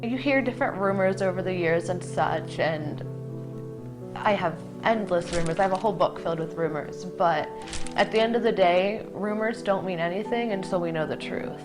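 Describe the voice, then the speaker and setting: A woman's voice: lowish voice, normal speed. A young woman interviewed for a news story, speaking in an earnest, determined way. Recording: news clip with music behind.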